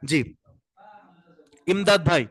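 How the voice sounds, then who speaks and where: High-voiced man teaching recitation drills. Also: takes it slowly, fairly bright tone. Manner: patient, repeats sounds for students to echo. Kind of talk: online class, pronunciation drills.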